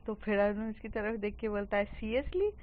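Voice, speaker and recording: A woman's voice: mid-range voice, completely flat delivery, brisk, phone-quality sound. A young woman telling a school love story in a plain, conversational way. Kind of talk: casual story narration.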